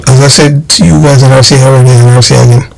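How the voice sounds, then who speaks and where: Gravelly Jamaican man giving commentary. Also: mid-range voice, fairly even intonation, fast talker, a little mellow, soft background music, poor audio. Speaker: online channel host and commentator. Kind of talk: direct-to-audience political commentary.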